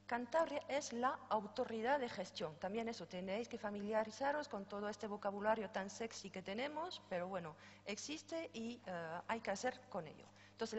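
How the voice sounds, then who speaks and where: French-accented woman presenting in a hall. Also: on the high side. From France. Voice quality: hesitant fillers and self-corrections. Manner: explanatory, informal asides with light laughter and fillers. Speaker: head of a programme office, conference speaker. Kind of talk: conference presentation. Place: conference stage. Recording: dull sound with long hall reverb, faint hum.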